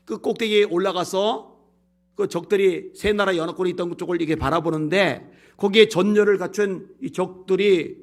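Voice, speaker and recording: A male pastor preaching a sermon, reading scripture aloud and explaining it in a plain, conversational way, with a strained voice from bronchial trouble. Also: high-pitched. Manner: reads scripture loudly, then explains in plain conversational asides.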